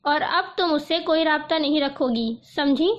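A woman reading the part of a stern, guarded young man who gives curt, cold orders in a firm, high-pitched voice. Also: muffled recording, natural voice.

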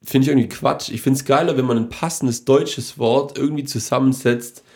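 A young man co-hosting a podcast, talking in a loose, rambling way and pressing his opinions. His voice sits at a middling pitch, and he swears casually while he chats. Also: moderate pace, a little mellow. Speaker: podcast co-host. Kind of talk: casual chat.

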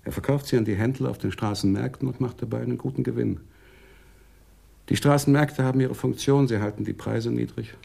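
An actor playing a polite, evasive Arab businessman in a radio drama, speaking in a measured, musing, formal way. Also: medium pitch, creaky, dark tone. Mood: matter-of-fact, polite.

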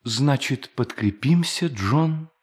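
A man's voice: mid-range voice, lively intonation, slow, breathy edge. An actor playing a sly, gleeful male bank robber posing as a pious hermit in an audio drama, muttering and exclaiming to himself with self-mockery. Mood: scheming. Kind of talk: theatrical audio drama monologue.

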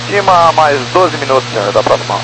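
A man's voice: fairly high pitch, big pitch swings, quick pace. A Brazilian man speaking as a pilot, giving courteous, formal readbacks over aviation radio. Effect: radio transmission. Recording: noisy, humming cockpit radio transmission.

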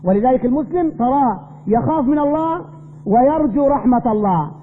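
High-voiced sheikh quizzing students. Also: male voice, expressive, brisk. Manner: quizzes students, repeats questions insistently; emphatic preaching with repeated phrases. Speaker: sheikh teaching a creed class. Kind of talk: classroom religious lesson. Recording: reverberant hall, dull lo-fi, faint hum.

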